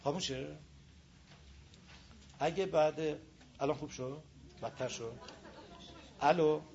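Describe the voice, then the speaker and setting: High-voiced man teaching a recitation class. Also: a little mellow, a little hiss or hum. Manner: patient, repeats rules, models pronunciations. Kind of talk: live class lecture on tajweed. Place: classroom with a board. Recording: dull lo-fi classroom recording.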